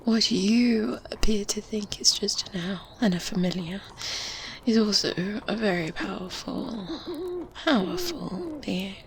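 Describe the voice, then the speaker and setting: A woman voicing an experienced, self-assured good witch in a breathy, softly spoken ASMR roleplay, pausing deliberately and gently condescending. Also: medium pitch, expressive. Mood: calm, self-assured. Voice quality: breathy, whispered. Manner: slow, deliberate, hesitant pauses with hums. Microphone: close binaural microphone. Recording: faint ambience noise behind close whispers. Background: medieval ambience sounds.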